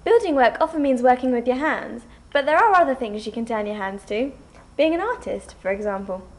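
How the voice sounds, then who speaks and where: Bright high-voiced woman presenter. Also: expressive, brisk, soft background music. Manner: clear, scripted delivery. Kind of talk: scripted narration.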